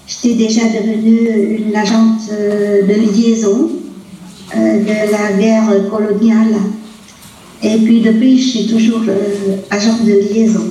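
A woman in her eighties from Vietnam, giving a halting personal testimony at a colloquium. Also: mid-range voice, dark tone, slight background noise. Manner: halting, with many hesitations and repeated words. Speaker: conference speaker. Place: lecture hall. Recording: roomy lecture hall, distant mic.

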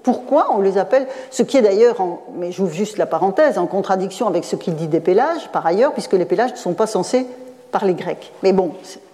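A woman's voice: mid-range voice, expressive, a little fast, warm tone, in a large hall. A woman professor giving an academic lecture, explaining at length with fillers and self-corrections. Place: lecture hall.

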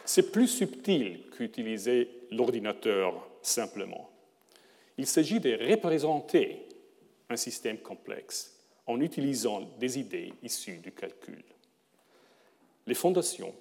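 A middle-aged man who is not a native speaker of the language, giving a formal prepared lecture with a careful, measured delivery and occasional self-corrections. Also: mid-range voice, big pitch swings, darkish tone. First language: not French. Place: lecture hall. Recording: long reverb of a lecture hall.

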